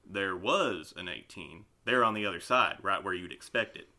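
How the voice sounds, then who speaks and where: A man plays a grumpy resident in an audio drama. His voice sits a little low, and he talks in a gruff, sardonic, unhelpful way. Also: lively intonation, moderate pace, bright, forceful tone, full character voice. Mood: grumpy, mocking. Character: grumpy, mocking male resident, unhelpful and dry.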